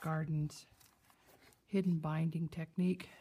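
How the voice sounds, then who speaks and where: A woman speaks quietly in a fairly low, dark, mellow voice that is somewhat breathy. Her intonation is monotone and flat over light background noise. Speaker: crafter, journal maker. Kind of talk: craft tutorial show-and-tell. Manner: quiet, low-volume. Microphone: phone near.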